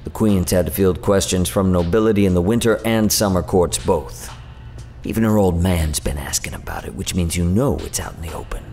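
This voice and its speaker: A man's voice: low-pitched, fairly quick, a little mellow, soft background music. A man playing a flippant, sardonic envoy of an otherworldly faerie court in an audio drama, with a casual, taunting drawl. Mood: wry, amused.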